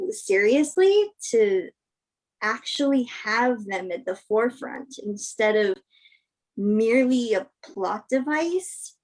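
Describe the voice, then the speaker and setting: A fairly high female voice that takes its time over each phrase. A woman acting as a frank, principled movie star in a staged play reading. She answers interview questions in a measured, reflective, conversational way. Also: darkish tone, exaggerated voice, low-quality recording. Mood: earnest. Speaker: actress in a virtual staged reading.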